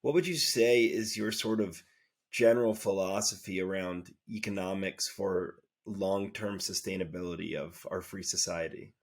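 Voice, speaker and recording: A man's voice: low-pitched, fairly even intonation, moderate pace. A man hosting a podcast, asking loose, rambling interview questions with fillers. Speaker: podcast host.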